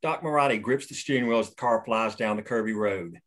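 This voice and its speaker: A man reading the stage directions aloud at a script table read in a steady, plain way. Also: fairly low pitch, fairly quick.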